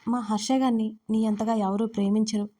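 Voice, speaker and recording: A woman voicing a drunk, sentimental young man who talks fondly of his best friend, a little louder than her narration. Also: a little high, level tone, moderate pace, lightly acted. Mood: tipsy. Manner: tipsy, sentimental, laughing.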